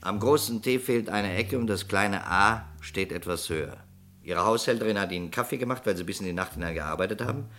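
An actor playing a shrewd, relentless police detective in a radio crime play, speaking with precise, accusatory delivery. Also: male voice, lowish voice, fairly quick, fairly bright tone. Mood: accusing, relentless.

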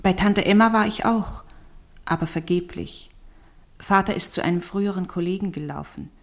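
A low-pitched actress as a mother voicing a letter in a radio drama. She is poor and loving, full of tenderness and sadness toward her child. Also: moderate pace, lightly acted. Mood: sorrowful. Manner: tender, sorrowful. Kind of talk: letter read aloud in radio play.

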